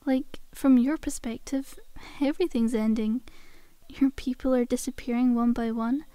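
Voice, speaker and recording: A woman's voice: fairly high pitch, fairly even intonation, moderate pace, mellow, smooth, dry recording, lightly acted. A woman playing a cheeky, cajoling undead zombie girl in an ASMR roleplay, with a casual, teasing, conversational delivery. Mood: cajoling, upbeat.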